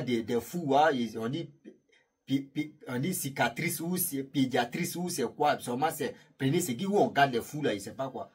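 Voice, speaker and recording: Very husky man telling a story. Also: mid-range voice. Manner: chatty and rambling, laughing at his own jokes, addressing viewers directly. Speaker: YouTube storyteller. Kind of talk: casual spoken storytelling to viewers.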